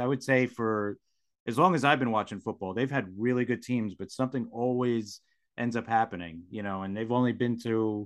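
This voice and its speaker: A man with an unremarkable speaking voice at a medium pitch and moderate pace. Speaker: podcast host. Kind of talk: casual sports podcast chat.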